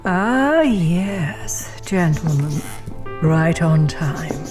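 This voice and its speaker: An actress playing a gracious, formal and faintly eerie architect receiving guests in a horror audio drama. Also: female voice, low-pitched, animated, a little mellow, faint music behind, exaggerated voice. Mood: gracious, composed. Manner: formal, poised, unhurried.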